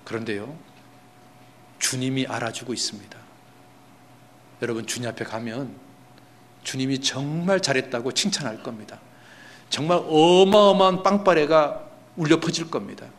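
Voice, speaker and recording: A man's voice: mid-range voice, a bit bright, slight background noise. A male pastor preaching a sermon in a church, telling a story that rises to emphatic, impassioned peaks. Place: church sanctuary.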